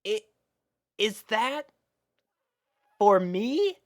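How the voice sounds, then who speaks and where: A woman's voice: mid-range voice, very animated, drawn-out words, dry recording, clean studio sound, pitched above the performer's own voice. A woman voicing a sweet, innocent young male dragon, earnest and a little hesitant, in a storybook reading. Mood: awed, grateful.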